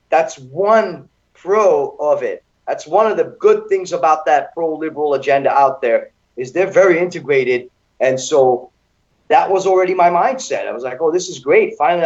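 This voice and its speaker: A man's voice: on the high side, a little mellow, lo-fi sound. A man born in Hungary and raised in Seattle, a talk show guest who speaks chattily and with enthusiasm.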